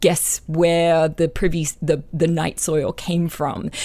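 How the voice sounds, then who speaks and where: In an Australian accent, a woman speaks at a fairly slow pace on a very clean recording with a silent background. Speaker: history podcaster, guest. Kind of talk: casual podcast chat.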